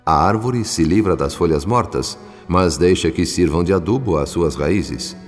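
A man narrating a radio drama as a humble spirit, in a solemn, measured, literary manner. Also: low voice. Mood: solemn, compassionate. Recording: long reverb, music behind.

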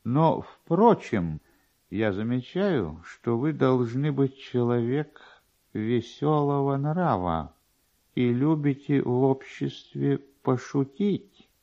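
Man acting officious clerk, raised swooping pitch, drawn-out pedantic delivery, storybook radio reading, dull archive recording. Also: animated, warm tone. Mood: officious, reluctant. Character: unhelpful, snuff-taking male newspaper clerk, slow-witted and officious. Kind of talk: dramatised literary reading.

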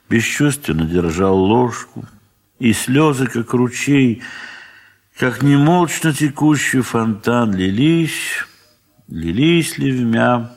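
Medium in pitch and creaky, a male narrator delivers a classic tale for a 1970s Soviet audio drama, his style dramatic and literary, punctuated by measured, expressive pauses.

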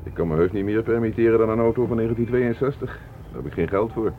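A man's voice: on the low side, fast, natural voice. An actor playing a talkative middle-aged father in a radio play, insistently questioning and fussing over his son. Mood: defensive, chatty. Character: talkative, probing father eager to know his estranged son. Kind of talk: Dutch radio play acting. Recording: muffled, noisy old radio play recording.

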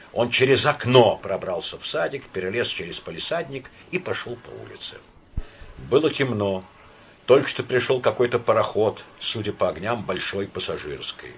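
Low-voiced man reading a classic novella. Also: animated, moderate pace, a little hiss or hum. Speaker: audiobook reader. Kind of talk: literary narration.

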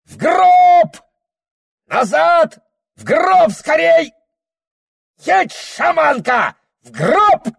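A frenzied old shaman howls and chants in a trance, his voice pushed high and drawn out. Gravelly and hoarse, the cries swing wildly up and down, in a dry, close sound. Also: sing-song, extremely slow, no room sound, heavily acted. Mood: screaming.

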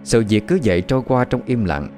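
A man's voice: mid-range voice, animated, brisk, a little mellow, faint music behind. A man narrating a horror audio story in a dramatic storytelling manner.

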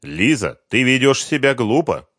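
A man's voice: medium pitch, big pitch swings, normal speed, fairly bright tone, no room sound, clean studio sound, pitched above the performer's own voice. A male audiobook reader voicing a stern, firm ex-husband who answers curtly. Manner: firm, curt. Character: stern wealthy man, firm and cold. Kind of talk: audiobook character voice.

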